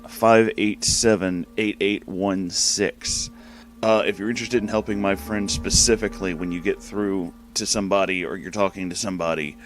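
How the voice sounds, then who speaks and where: A man hosting in a casual, informal way, with emphatic, dramatic delivery. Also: low-pitched. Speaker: host reading fan fiction aloud. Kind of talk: casual comedic storytelling.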